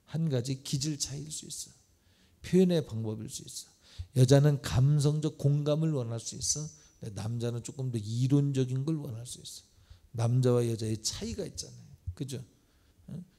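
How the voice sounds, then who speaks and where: A middle-aged male pastor preaching in church, firing rhetorical questions and swinging between loud emphasis and hushed asides. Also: mid-range voice, vocal fry, slightly rough. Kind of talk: sermon. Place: church sanctuary.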